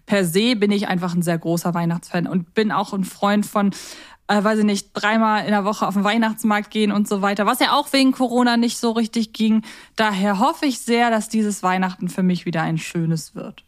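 A woman's voice: mid-range voice, fairly even intonation, moderate pace. A woman hosting a podcast in casual, chatty, expansive conversation, telling things personally. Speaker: podcast host. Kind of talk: casual chat.

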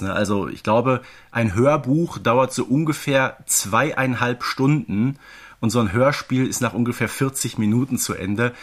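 A man co-hosting a podcast, explaining things in a casual, conversational way with tag questions. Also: lowish voice. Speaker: podcast co-host. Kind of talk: casual fan podcast chat.

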